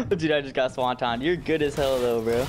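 A man's voice: medium pitch, normal speed, over music. Laid-back young guy on voice chat. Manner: laid-back, effusive, says bro and dude. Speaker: random teammate. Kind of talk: casual gaming chat.

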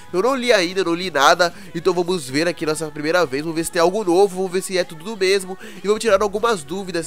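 A young Brazilian man with a cold, his voice congested and hoarse, chatting casually through gaming news and constantly checking in with viewers. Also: high-pitched, fairly bright tone. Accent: Brazilian Portuguese. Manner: chatty, keeps asking the viewers "né, cara?". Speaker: gaming YouTuber.

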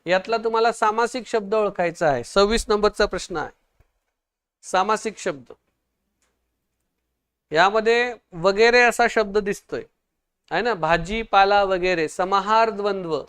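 High, smooth-voiced exam teacher. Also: male voice, a bit bright. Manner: quizzing viewers, urging quick answers, praising comments. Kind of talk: online exam-prep lesson.

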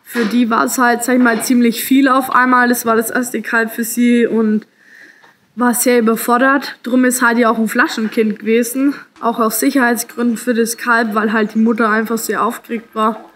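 Young farm lady doing a video diary, highish voice, bit of background noise. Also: flat delivery, normal speed, fairly bright tone. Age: 20s. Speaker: farmer, vlog host. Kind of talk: casual video diary, explaining. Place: farmyard and cattle barn. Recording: noisy handheld farm vlog.

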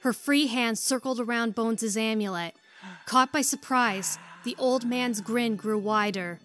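A woman's voice: a little high, unhurried, fairly bright tone, faint music behind. A woman narrating a scripted story as the narrator of an audio drama.

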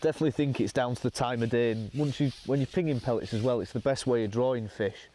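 A young man talking casually to camera while fishing from a lake bank outdoors, explaining his session in a relaxed, matter-of-fact way. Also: medium pitch, fast. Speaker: angler presenting a fishing session.

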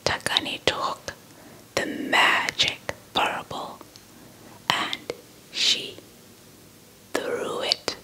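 A young woman, a Xhosa speaker, whispers a folktale as an ASMR storyteller, deliberately repeating words for effect, close to a handheld mic. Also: sharp tone, low-quality recording. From South Africa. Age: young adult. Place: small indoor setup before a cloth backdrop. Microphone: handheld mic with fluffy windscreen, held close.

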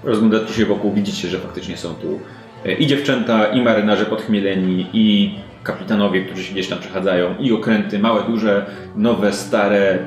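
A man's voice: on the low side, fairly even intonation, normal speed, faint music behind. A man running a tabletop role-playing game, improvising descriptive narration in a conversational way. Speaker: game master. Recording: roomy, echoey indoor recording.

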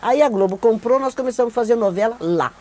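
A woman's voice: on the high side, fast talker, a little mellow. An older Brazilian actress recalling her career in a seated studio interview, telling it animatedly with emphatic repetition, recorded on a lapel mic. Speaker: veteran actress giving a testimony. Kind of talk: recorded oral-history interview. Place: indoor studio against a plain backdrop. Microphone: clip-on lapel mic.

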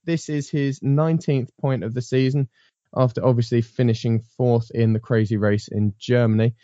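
Man, podcast host, mellow voice, smooth tone, dry dull recording, casual rambling chat. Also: medium pitch, no echo. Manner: rambling, frequent ums and restarts. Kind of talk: casual motorsport panel chat.

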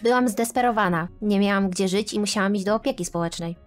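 Female narrator for a first-person animated story, expressive and dramatic, middle pitch, faint music bed. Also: fast talker. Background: faint background music.

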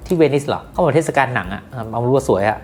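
Low-voiced, lively woman tech reviewer. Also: fast, slight background noise. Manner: playful and jokey, chatty asides to viewers. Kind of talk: casual product review.

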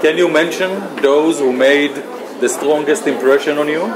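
Male interviewer, higher-pitched. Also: fairly even intonation, normal speed, crowd noise, low-quality recording. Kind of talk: friendly interview. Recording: people chattering in the background.

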